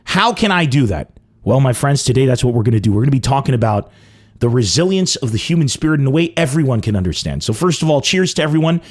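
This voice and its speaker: A young adult man from Lebanon hosting a comedy podcast, delivering a mock-dramatic comic monologue. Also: fast talker. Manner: animated, mock-dramatic swings in pitch and pace.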